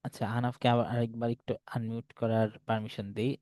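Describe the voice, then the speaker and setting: A man's voice: mid-range voice, completely flat delivery, quick pace, a little mellow, no echo. A man teaching an English class online, explaining patiently and checking often that students follow along. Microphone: video call.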